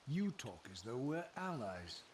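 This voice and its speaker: Undead wraith, proud, defiant, eloquent, bitterly sardonic, distant echoey game sound, faint hiss. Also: male voice, medium pitch, sing-song, unhurried. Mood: scornful, defiant. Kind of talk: dramatic video game voice acting.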